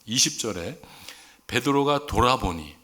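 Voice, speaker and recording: A man preaches as a visiting missionary in a church sanctuary, his medium-pitched voice bright and pushed, with lively intonation and a slightly slow pace. He tells his story conversationally, performing the dialogue in different voices.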